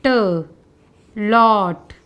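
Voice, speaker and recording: A woman's voice: medium pitch, steady tone, muffled recording. A woman teaching children letter sounds, asking questions and drawing out each sound for them to repeat. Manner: calls out sounds for children to repeat, stretched slowly; asks many questions. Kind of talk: children's Hindi lesson.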